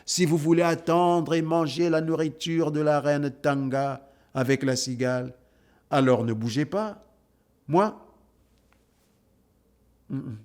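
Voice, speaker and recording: A man telling folktales aloud in a playful, lively way, repeating words for effect. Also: fairly high pitch, takes it slowly, pauses often. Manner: playful, lively, repetitive storyteller's delivery. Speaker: storyteller. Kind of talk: animated oral storytelling.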